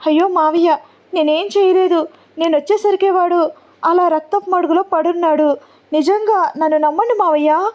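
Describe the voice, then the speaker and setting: A woman's voice: sits high, moderate pace, muffled recording, pitched above the performer's own voice, close to an everyday voice. A woman doing a fiery, defiant young woman. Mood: pleading. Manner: bold and confrontational.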